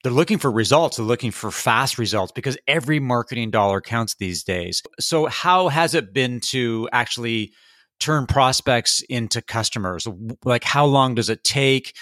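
A man's voice: mid-range voice, fairly bright tone, no room sound, clean studio sound. A man hosting a podcast, speaking in a conversational interviewing style.

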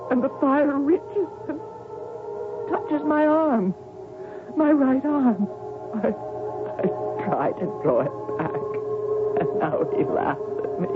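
Brief: haunted young champion, feverish, pleading, old-time radio sound. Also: female voice, high-pitched. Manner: feverish, dreamlike monologues. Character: anguished young woman tennis champion, tormented. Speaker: tennis champion. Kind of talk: 1940s radio acting. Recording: tinny old radio broadcast.

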